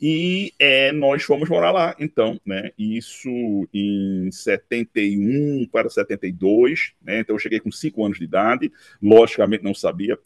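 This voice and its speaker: A man, recounting his life story in an interview, unhurried and dotted with tag questions. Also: fairly low pitch, no echo, clean studio sound. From Recife, Brazil. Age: 50s. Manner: unhurried, with frequent "né" tags and restarts. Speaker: interview guest, law professor. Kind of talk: relaxed autobiographical interview.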